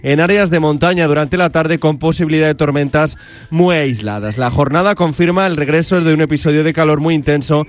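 A man reading a scripted weather report for the radio in a smooth, even delivery. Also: fairly high pitch, a little fast. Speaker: weather reader.

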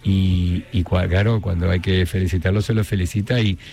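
Low gravelly man with Argentine accent. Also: steady tone, normal speed, darkish tone, soft background music. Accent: Argentine Spanish. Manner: hesitant, many restarts and fillers. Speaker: guest. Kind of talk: casual interview chat.

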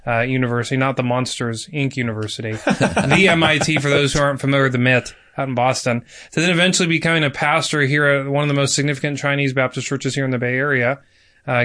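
A man's voice: medium pitch, a bit bright. A male podcast host with a mid-range voice, upbeat and chatty. He keeps the interview light and makes little jokes as he asks questions. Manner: upbeat, joking.

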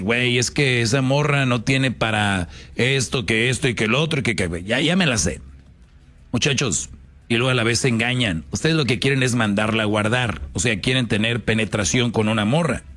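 A man's voice: mid-range voice, fairly bright tone. A man with a Mexican accent giving casual commentary as a show host, slangy and lecturing, with hesitant restarts.

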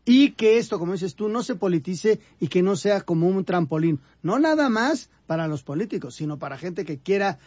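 A man's voice: high voice, expressive, moderate pace, hardly any pauses, darkish tone, husky, no echo, muffled recording. A man talking in a casual sports studio discussion, chatty, often restarting and cutting in. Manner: talkative, restarts often, interjects. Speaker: sports show panelist.

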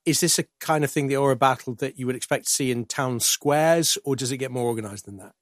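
Guy hosting an interview show, polite curious questions, average pitch, no room sound at all. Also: fast, no room sound, studio quality. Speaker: interviewer, programme host.

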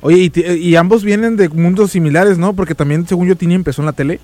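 A man's voice: sits high, darkish tone, soft background music. A man with a Mexican accent co-hosting a casual celebrity gossip show, agreeing often in short replies. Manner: quick, agreeable, lots of short backchannels. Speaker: show co-host.

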